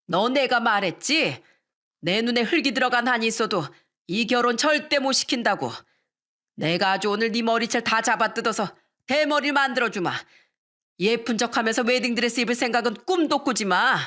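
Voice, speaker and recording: A woman's voice: lively intonation, moderate pace. A woman voicing a furious, scornful middle-aged mother-in-law-to-be in a dramatized radio story. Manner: shrill, contemptuous yelling.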